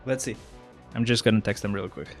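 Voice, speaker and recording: A man's voice: lowish voice, a little fast, faint music behind. A young man with a stuffy nose from a cold, chatting casually to his live-stream viewers and getting exasperated with the game. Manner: chatty, easily exasperated, talks to chat.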